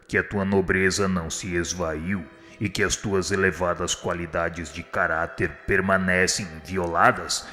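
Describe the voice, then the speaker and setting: A man plays a humble, courageous spirit instructor in a radio drama. His low voice pleads gently and formally, with serene firmness. It carries a long hall reverb over faint music. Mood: respectful appeal.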